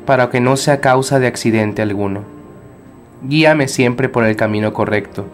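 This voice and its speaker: A man reciting a prayer aloud in a solemn, measured way. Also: medium pitch. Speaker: prayer reader.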